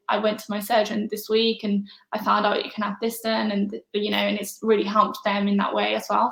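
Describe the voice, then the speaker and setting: Flat-voiced woman in an echoey room. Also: mid-range voice, gravelly. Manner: soft-spoken, many fillers and pauses. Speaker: interview guest. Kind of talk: casual interview answers.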